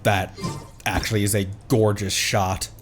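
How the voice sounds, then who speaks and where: A man's voice: lowish voice, flat delivery, measured pace. A man streaming a video game with casual, playful live commentary, reacting and exclaiming as he plays. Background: faint game music.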